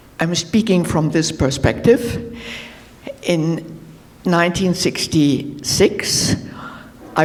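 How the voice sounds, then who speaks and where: A woman with a German accent speaks at a fairly low pitch and a fairly slow pace, with ordinary pitch variation. There is audible room echo and noticeable background noise. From Germany, Berlin. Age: 80s+. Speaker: audience member asking a question. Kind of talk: conference Q&A question. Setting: conference hall with audience. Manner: halting.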